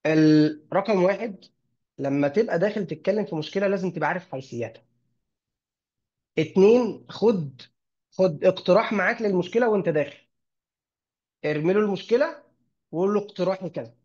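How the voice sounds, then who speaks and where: A man with an Egyptian accent, a sales consultant talking in an online meeting, animated and giving numbered tips with rhetorical questions. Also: sits high, brisk, pauses often. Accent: Egyptian Arabic. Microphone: video call. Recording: lo-fi video call audio.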